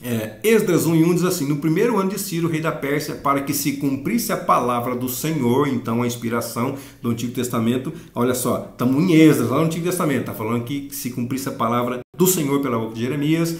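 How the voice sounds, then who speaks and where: A man with a Brazilian Portuguese accent teaching a Sunday school Bible lesson, reading verses slowly and then explaining them. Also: mid-range voice, reverberant. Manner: explanatory, reads scripture slowly then comments.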